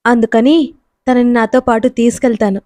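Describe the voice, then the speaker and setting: A woman's voice: fairly high pitch, fairly even intonation, moderate pace, warm tone, no echo, natural voice. A woman voicing a teasing young adult male friend in a storybook, with playful banter.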